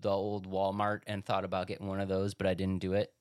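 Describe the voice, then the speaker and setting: A young man with a lowish voice chats on a podcast. He sounds relaxed and jokey and laughs often. The sound is dry and close, with no room echo. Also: quick pace, clean tone. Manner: relaxed, joking, lots of fillers and laughs. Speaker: podcast co-host. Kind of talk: casual chat.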